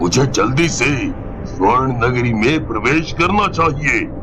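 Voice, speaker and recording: In a cartoonish character voice, a man speaks fairly slowly at a fairly high pitch over loud background noise. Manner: menacing, arrogant.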